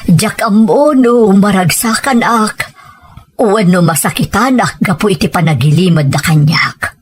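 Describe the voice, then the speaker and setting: A woman's voice: mid-range voice, measured pace, breathy edge. A woman playing an older, grieving, loving matriarch in a radio drama, speaking with dignity and strong emotion. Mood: hurt. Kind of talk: Filipino radio drama acting.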